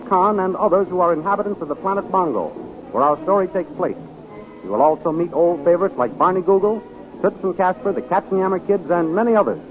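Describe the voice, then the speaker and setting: A man narrating and announcing a radio serial in a formal, declamatory, dramatic 1930s scripted style. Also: sits high. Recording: thin, phone-like 1930s radio recording.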